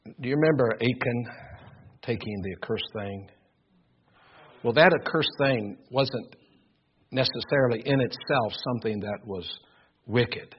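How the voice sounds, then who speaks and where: An older man preaching a sermon with a loud voice, earnest and emphatic, often repeating words as he builds his points. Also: mid-range voice, unhurried, long pauses, a little hiss or hum. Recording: dull lo-fi recording.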